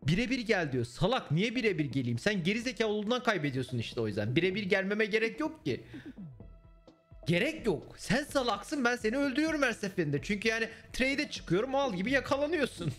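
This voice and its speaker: Young man, fairly high voice, lively pitch, blunt and sweary, faint music behind. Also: fast. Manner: blunt, swears and mocks freely. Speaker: streamer. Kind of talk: casual chat with stream viewers.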